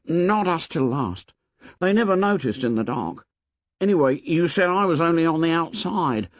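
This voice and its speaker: A man voicing a shrill, nearsighted, anxious schoolboy who talks in rough, ungrammatical boy's speech. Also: lively intonation, moderate pace, dry recording, highs cut off, close to an everyday voice. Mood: urgent. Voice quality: shrill, pleading.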